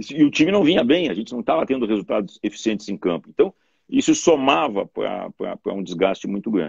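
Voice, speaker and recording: A man speaks at a fairly quick pace with a fairly high pitch. His voice shows vocal fry and very wide pitch swings. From southern Brazil, Porto Alegre. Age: 60s. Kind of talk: casual interview.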